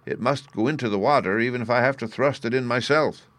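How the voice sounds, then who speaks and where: Guy doing a tired grumbly mother duck, voice pushed up higher, dry close sound. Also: quick pace, fairly bright tone, no room sound, close to an everyday voice. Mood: doubtful. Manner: weary, complaining.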